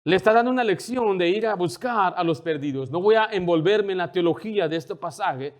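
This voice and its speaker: A man's voice: sits high, lively intonation, fairly quick. A man, a pastor, preaching a sermon and acting out the people he quotes. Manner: preaching with rising intensity, acting out quoted dialogue.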